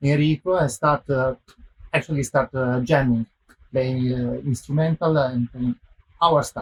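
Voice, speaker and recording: A man with a strong Italian accent speaks at a fairly slow pace in a flat monotone. His medium-pitched, somewhat breathy voice sounds dry and close with no echo. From Italy. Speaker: rock musician. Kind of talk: interview. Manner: halting, many fillers.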